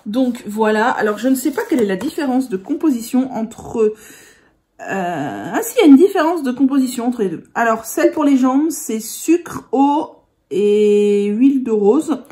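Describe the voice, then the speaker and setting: A woman's voice: on the high side, lively intonation, normal speed, mellow. A woman vlogger chatting casually about products, rambling with many hesitations.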